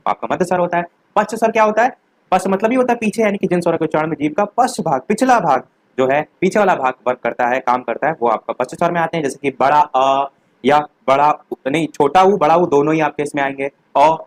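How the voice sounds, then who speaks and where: A young man talks through an exam revision lecture. His voice sits a little high, and he leads the class step by step, asking questions and then answering them himself. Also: low-quality recording. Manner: explains step by step with rhetorical questions. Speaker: teacher.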